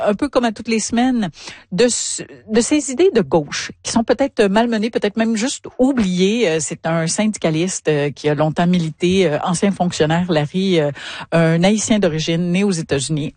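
A woman's voice: on the low side, darkish tone, no echo. Female morning radio host, Québécois accent, casual and rambling, dry studio sound. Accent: Québécois French. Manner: chatty, many fillers and asides.

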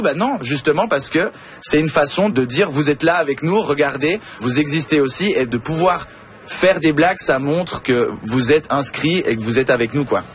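A comedian from Switzerland speaking in an interview, earnestly thinking aloud with some hesitations. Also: male voice, on the high side, slight background noise. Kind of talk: reflective interview talk.

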